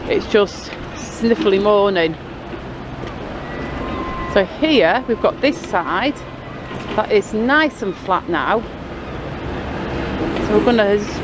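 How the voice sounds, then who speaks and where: Chatty, sniffly woman narrating a site walk on a handheld camera, loud traffic noise behind. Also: medium pitch. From Blackpool, England. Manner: chatty, rambling, friendly asides to viewers. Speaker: local vlogger. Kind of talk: casual walking commentary. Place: outdoors by a building site and tram stop. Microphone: handheld camera filming as she walks. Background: passing cars and trams.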